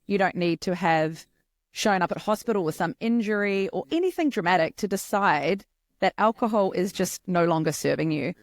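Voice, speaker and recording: A woman in her forties with a New Zealand accent, a podcast guest telling her story in a candid, lively way. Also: lowish voice, normal speed, no echo. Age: 40s. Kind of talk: podcast interview.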